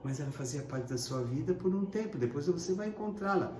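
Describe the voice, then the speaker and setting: A man with a Brazilian Portuguese accent giving a Sunday gospel sermon, swinging from loud to hushed and acting out little dialogues. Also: on the high side, expressive, fairly quick, roomy sound, a little hiss or hum. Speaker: preacher.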